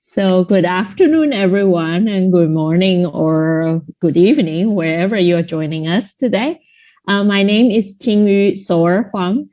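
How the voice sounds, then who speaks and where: A woman psychology lecturer introducing herself at an online seminar, speaking in a measured way with frequent ums, over a video call. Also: lowish voice, mellow. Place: home, visiting another city.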